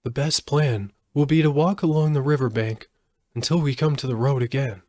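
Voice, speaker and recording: Man voicing a big, earnest lion, pitched up. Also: moderate pace, a little mellow, no room sound, clean studio sound, lightly acted. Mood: practical. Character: big, brave-hearted, practical male lion. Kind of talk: storybook character voice in audiobook.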